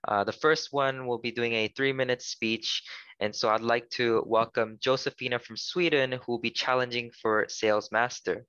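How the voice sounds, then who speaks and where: A man's voice: medium pitch, steady tone, normal speed, bright, forceful tone, clear, resonant tone, no echo. A young man hosting an online seminar in an upbeat presenting style over a headset on a video call, with slightly dull audio. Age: young adult. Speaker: seminar host.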